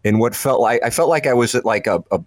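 A man's voice: medium pitch, expressive, fast, no room sound. Male radio host for casual sports banter; dry, needling humor, tight studio mic. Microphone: close studio microphone.

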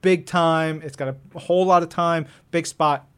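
A man's voice: on the high side, fairly even intonation, moderate pace, clean tone. A man co-hosting a podcast in a casual, chatty style, enthusiastic, informal and jokey. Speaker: podcast co-host. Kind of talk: casual chatty event preview.

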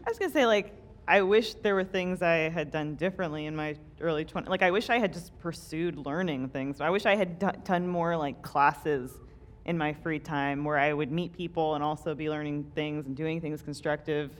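A woman's voice: low voice, normal speed. A woman in her thirties co-hosting a live podcast, chatting in a loose, self-deprecating way with many fillers. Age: 30s. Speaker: podcast co-host. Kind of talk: casual chat before a live audience.

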